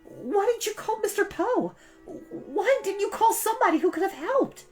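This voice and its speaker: A woman's voice: very high-pitched, sing-song, moderate pace, darkish tone, soft background music, voice pushed up. A woman voicing a bold young girl in a children's storybook, speaking in an urgent, firm and insistent way. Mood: indignant. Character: bold, impatient young girl, earnest older sister.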